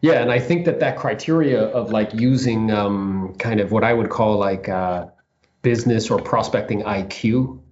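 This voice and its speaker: A man with a fairly low voice hosts a casual interview, building his questions slowly with plenty of likes and ums. The sound is dull and lo-fi. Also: darkish tone. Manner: thinks aloud with many fillers, like and kind of. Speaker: podcast host.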